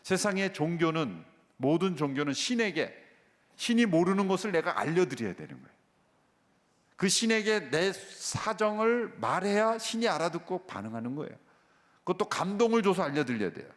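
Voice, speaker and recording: 회중에게 수사적 질문을 던지고 인용된 목소리를 흉내 내며 설교하는 남성 목사. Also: male voice, sits high, normal speed. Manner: animated, rhetorical questions to the congregation, acts out quoted voices. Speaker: pastor. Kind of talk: sermon. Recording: long hall reverb.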